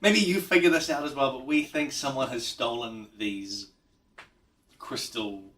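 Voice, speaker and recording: A man's voice: medium pitch, unhurried, fairly bright tone. A man playing a tabletop game, speaking plainly and matter-of-factly. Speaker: player. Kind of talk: casual tabletop play. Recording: distant mic.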